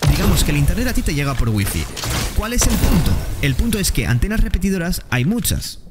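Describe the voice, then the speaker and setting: A man giving excitable, slangy commentary while playing a game. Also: high voice. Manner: excitable, slangy, quick exclamations to opponents. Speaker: gaming streamer. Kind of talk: gameplay commentary. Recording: gameplay noise and gunfire behind.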